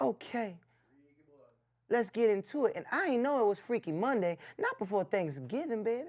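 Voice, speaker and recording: A very clean recording with a silent background, at a moderate pace. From Los Angeles. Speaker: music reviewer and rapper. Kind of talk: livestream music review.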